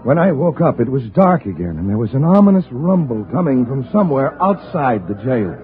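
A man's voice: mid-range voice, very animated, brisk, natural voice. An actor playing a frantic young man accused of murder, stammering and pleading in a 1940s radio drama. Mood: weary. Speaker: lead character and narrator. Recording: tinny old radio broadcast with music.

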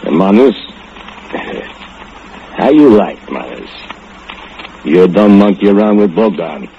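An actor playing a brooding, murderous foundry laborer who speaks broken English with menacing low chuckles, in old radio drama style. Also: male voice, expressive, slow, a little hiss or hum, full character voice. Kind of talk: 1940s radio acting. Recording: dull old radio recording with loud music.

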